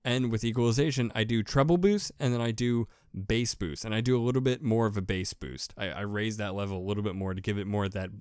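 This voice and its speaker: A man with a deep voice giving a casual, rambling how-to talk as a podcaster, repeating himself with enthusiasm. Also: quick pace, few pauses, darkish tone, clean tone, no room sound, studio quality. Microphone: USB desk microphone with pop filter.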